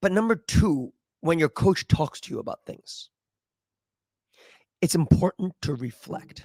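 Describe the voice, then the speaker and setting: The pace is fairly slow. Long pauses come often. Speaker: basketball coach. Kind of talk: motivational talk to camera.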